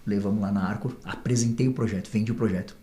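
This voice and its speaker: A man's voice: on the low side, fast talker. Slangy man telling stories. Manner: slangy, profane, animated. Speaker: podcast guest. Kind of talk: casual storytelling interview. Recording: roomy echo, faint noise.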